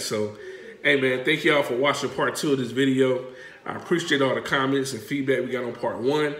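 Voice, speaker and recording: A man with a Southern Black accent from the South Carolina Lowcountry, touched by Gullah, explaining things casually and colloquially to camera. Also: fairly bright tone. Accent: Southern Black American, South Carolina Lowcountry with Gullah influence. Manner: informal, folksy, colloquial. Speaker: vlog host. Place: bright room at home, indoors. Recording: roomy, echoing indoor sound.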